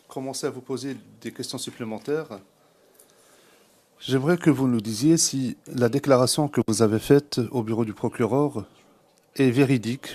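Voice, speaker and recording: A man with a medium-pitched voice works as a court interpreter. He renders questions formally and carefully, pausing between phrases. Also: darkish tone.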